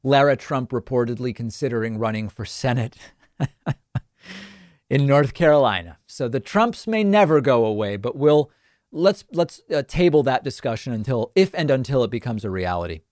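A man's voice: mid-range voice, expressive, darkish tone, no echo, studio quality. Emphatic man hosting a political talk show. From northern United States. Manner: brisk, emphatic and sarcastic. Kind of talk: political commentary monologue.

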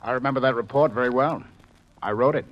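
An actor in a 1950s radio drama playing an inquisitive, level-headed police investigator with an earnest, probing manner. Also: male voice, mid-range voice, fast, highs cut off, close to an everyday voice.

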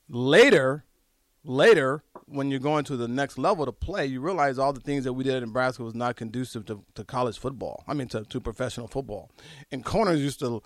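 A man's voice: mid-range voice, no room sound. Middle-aged man reminiscing, dry close sound. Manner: animated storytelling, repeats phrases, says "dude" often. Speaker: former college football quarterback, show guest. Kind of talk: casual sports chat, reminiscing.

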